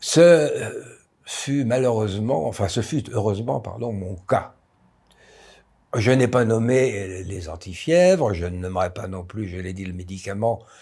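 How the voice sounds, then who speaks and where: This man has a dark, mellow tone. He speaks very slowly with lively intonation. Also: fairly low pitch for a man, very clean recording, silent background. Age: 70s. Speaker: priest. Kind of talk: personal video address. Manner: measured, formal.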